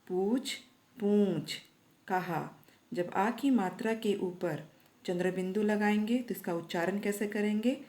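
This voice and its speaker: Slow, patient woman teacher. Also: medium pitch, a little mellow. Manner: patient, repeats words for children. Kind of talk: slow classroom lesson reading aloud.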